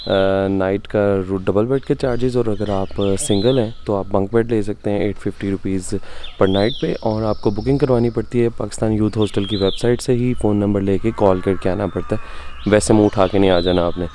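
A man's voice: on the low side, fairly even intonation, moderate pace. A man in his thirties with a Pakistani Urdu accent, talking to viewers in a chatty, enthusiastic travel vlog, first outdoors in a mountain forest and then while riding a motorbike. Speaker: travel vlogger. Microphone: handheld camera at arm's length, then helmet-mounted camera. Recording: loud wind and engine noise outdoors.

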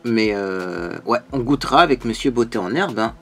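A man's voice: medium pitch, lively intonation, normal speed, creaky. A man, a beauty youtuber, chatting casually and animatedly while unboxing a parcel, full of fillers.

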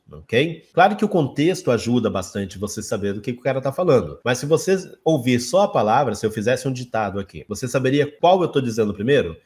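A man's voice: mid-range voice, a little mellow. Brazilian man teaching English pronunciation. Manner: explanatory, repeats example words slowly. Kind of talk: casual video lesson.

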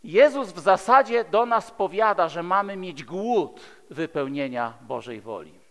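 A man's voice: high voice, expressive, a little slow. A man in his fifties from Poland preaching a sermon in an emphatic, rhetorical manner with repeated phrases. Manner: emphatic, rhetorical, with repeated phrases and dramatic swings between loud and hushed. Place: large church hall, speaking from a pulpit. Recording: echoey hall with long reverb.

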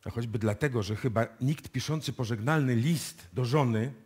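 Man acting stubborn detective in a radio play, medium pitch, businesslike, keeps probing. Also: moderate pace, a little mellow, slightly rough, close to an everyday voice. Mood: doubting. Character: persistent, questioning male police inspector. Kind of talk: live radio drama acting.

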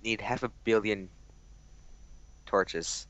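A man's voice: fairly low pitch, slow. A man talking through a voice changer in casual chat while playing a game over online voice chat. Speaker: gamer.

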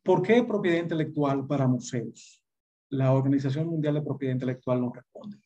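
Middle-aged male lecturer, measured and formal, dark and a little husky. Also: mid-range voice. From Dominican Republic. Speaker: guest lecturer, lawyer. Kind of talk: formal webinar presentation. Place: indoor room on a video call. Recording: dull video-call audio.

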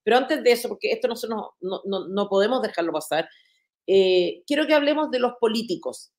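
A woman interviews a guest in a middle-pitched voice. She asks quick, direct questions. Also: lively intonation, darkish tone.

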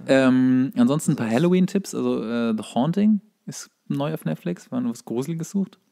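A man's voice: mid-range voice, animated, normal speed, gravelly, mellow. A man, a podcast co-host, chatting casually about films and series. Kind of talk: casual film and series chat.

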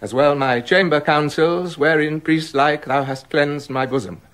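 A man's voice: fairly high pitch, a little slow, fairly bright tone, dry recording. An actor playing a jealous, brooding king in a radio drama, muttering bitter asides and building to angry accusation. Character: jealous brooding king, middle-aged man.

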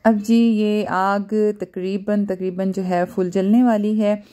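A cooking vlogger with a Pakistani Urdu accent explains a recipe step by step in a casual home cooking vlog, set on a rooftop outdoors at night and in a home kitchen. Her mid-range voice is warm, slow and fairly even in intonation.

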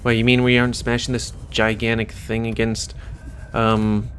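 A man's voice: mid-range voice, little pitch movement, normal speed, a bit bright, a little hiss or hum. An American man giving casual, rambling let's play commentary with wry asides. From United States. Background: video game music.

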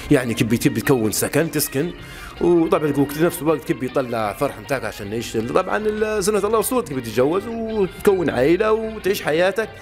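Fast-talking Libyan man, halting answers. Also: on the high side, animated, soft background music. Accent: Libyan Arabic. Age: late 30s. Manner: halting, many fillers and restarts. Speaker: interviewee, honey trader. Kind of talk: casual interview answers. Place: outdoors by a wall. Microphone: handheld mic held by interviewer.

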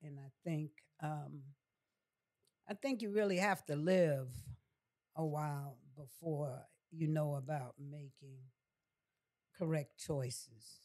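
Slow, measured older woman. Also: low voice, darkish tone. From from New York City. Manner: measured, deliberate, pausing. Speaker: podcast guest. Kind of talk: reflective conversational interview. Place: small furnished podcast studio. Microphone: close boom-arm studio mic with headset.

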